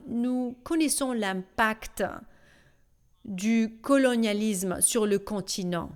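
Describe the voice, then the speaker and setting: A woman voicing a panel discussion in a measured, deliberate way, with small hesitations. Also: on the high side. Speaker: voice-over translator.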